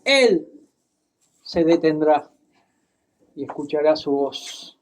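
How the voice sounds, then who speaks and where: Slow-preaching man delivering a sermon. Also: on the high side, lively intonation. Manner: deliberate, tag questions, dramatic Bible reading.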